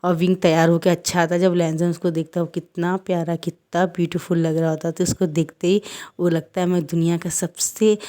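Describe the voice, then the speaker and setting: Woman casually retelling a fan story, low voice, relaxed chatty vibe. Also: brisk. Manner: chatty, conversational retelling with restarts.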